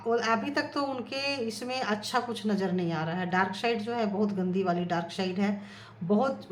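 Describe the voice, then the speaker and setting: A woman reads tarot cards for her audience in an earnest, repetitive way. Her voice is mid-pitched and sits in an echoey room. A faint hum of background noise runs underneath. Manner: earnest, repetitive, chants card requests softly. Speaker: tarot reader. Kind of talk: casual tarot reading to viewers.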